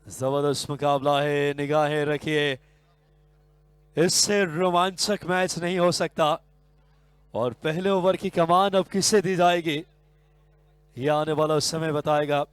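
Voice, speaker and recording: A man with a Hindi accent giving excitable live cricket commentary, his voice jumping up on big shots. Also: on the high side, slow, pauses often, clean tone, no room sound. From India.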